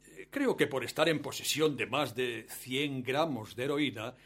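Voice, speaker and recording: An actor playing a wealthy, smug betrayed husband in a radio play, suave and mock-courteous with cruel menace. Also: male voice, mid-range voice, a little slow, a bit bright, husky. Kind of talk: Spanish-language radio play acting.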